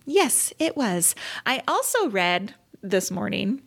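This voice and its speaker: A woman co-hosting a casual podcast, chatty and expressive, often tossing out questions. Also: mid-range voice, slow, gravelly. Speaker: podcast co-host. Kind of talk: casual chat.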